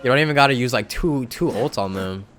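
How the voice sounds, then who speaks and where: A man's voice: medium pitch, lively intonation, quick pace, a bit bright, soft background music. A young man giving casual, informal live commentary as he streams a game, reacting aloud.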